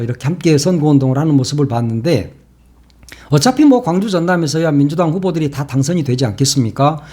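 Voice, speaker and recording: A man's voice: on the high side, mellow. A man giving solo political commentary, opinionated and emphatic, often asking rhetorical questions.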